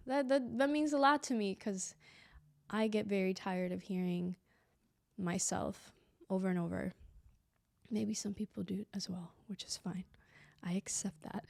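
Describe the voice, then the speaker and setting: A woman's voice: medium pitch, darkish tone, no echo, studio quality. A young woman hosting a solo podcast in a reflective, conversational way, sounding a little stuffy and slightly lispy from a dental aligner. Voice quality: a bit lispy from a clear aligner. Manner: reflective, conversational, many fillers and asides. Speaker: podcast host. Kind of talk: casual solo podcast monologue.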